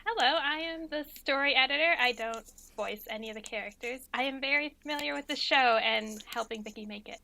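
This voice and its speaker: A woman's voice: high-pitched, a little fast, creaky, few pauses, pushed and bright. A woman running a casual quiz over a video call, explaining hesitantly and correcting herself as she goes. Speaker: story editor acting as trivia quizmaster. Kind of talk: casual, unscripted quiz hosting. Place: indoors on an online video call.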